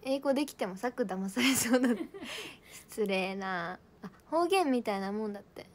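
A woman's voice: mid-range voice, lively intonation, moderate pace. A young woman chatting casually on a livestream, bubbly and giggly, reading out viewer comments. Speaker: idol livestream host.

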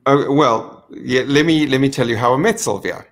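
A middle-aged man on a video call from a home study, giving a measured, earnest account with frequent ums. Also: medium pitch. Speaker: panelist. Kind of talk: online panel discussion.

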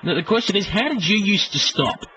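A man's voice: high voice, animated, brisk, muffled recording, very noisy. An Australian man hosting breakfast radio with cheeky, joking banter and theatrical exasperation. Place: radio studio.

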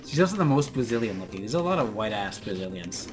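Lively teasing young man. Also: fairly low pitch, fast. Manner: animated, teasing. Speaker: let's play co-host. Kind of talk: casual gameplay banter. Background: game music.

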